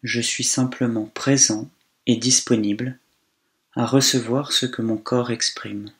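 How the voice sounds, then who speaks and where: Calm and unhurried, a medium-pitched male voice guides a body scan meditation, letting long pauses fall between phrases.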